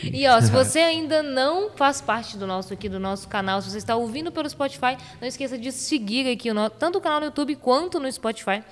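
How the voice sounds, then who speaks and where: A woman hosting a podcast in casual chat, upbeat and agreeable with quick interjections. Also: high-pitched, expressive, in a large hall. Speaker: podcast host.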